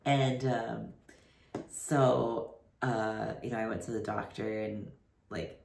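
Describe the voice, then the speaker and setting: A man in his thirties chatting casually to his camera, rambling with lots of "like" and "you know", his voice deepening mid-transition. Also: level tone, takes it slowly, gravelly, a little mellow, a little hiss or hum. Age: 30s. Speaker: vlogger. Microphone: camera mic. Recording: roomy echo, voice somewhat far from mic.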